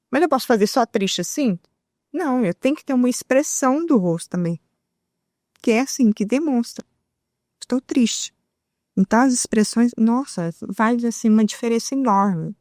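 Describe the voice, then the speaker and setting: Brazilian woman guest, lively, shows examples as she explains, dry sound. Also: a little high, no echo. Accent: Brazilian Portuguese. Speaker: guest, sign language interpreter. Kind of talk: explanatory talk show conversation.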